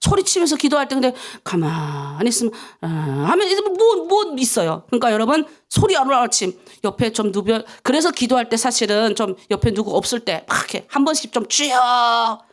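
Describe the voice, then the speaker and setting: A woman pastor giving a dawn prayer sermon, moving between hushed asides and loud, fervent prayer. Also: a little high, fairly quick, few pauses. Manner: animated preaching, swings from hushed asides to shouted prayer.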